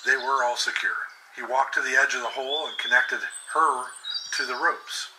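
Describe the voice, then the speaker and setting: Male narrator for horror audio fiction, mid-range pitch, dramatic storytelling, clearly noisy ambient backdrop. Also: moderate pace, sharp tone.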